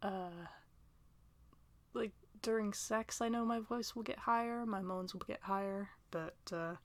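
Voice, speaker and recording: A young woman talks slowly and unhurriedly into a dry, close recording with no room sound. She rambles through listener questions, laughing often and turning self-deprecating, and her voice sometimes sinks into a soft, near-whispered aside. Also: medium pitch, fairly even intonation, dry recording.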